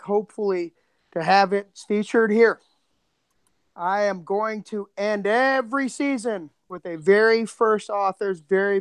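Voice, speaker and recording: A man co-hosting a podcast, chatting casually in an animated, joking way. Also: high-pitched, clean tone, no room sound. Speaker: podcast co-host and producer.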